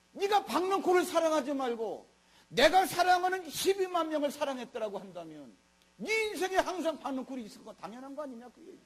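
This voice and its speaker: A middle-aged male pastor giving a Sunday sermon in a colloquial, emphatic way, full of rhetorical questions. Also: very high-pitched. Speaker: senior pastor. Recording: mains hum.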